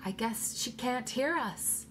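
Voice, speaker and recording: A woman reader voicing an excitable, anxious wife who exclaims and insists, in an audiobook story. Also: a little high, slow, pitched above the performer's own voice. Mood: agitated, hushed. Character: excitable young wife, curious and anxious eavesdropper. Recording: clear background noise.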